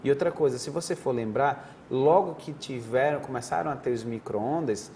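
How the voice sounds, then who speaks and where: A man's voice: medium pitch, moderate pace, dark tone, a little hiss or hum. A man who is a head and neck surgeon from Brazil. He answers interview questions in an explanatory, conversational way, often restarting his sentences. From Northeastern Brazil. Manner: didactic, conversational, frequent restarts. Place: TV studio desk.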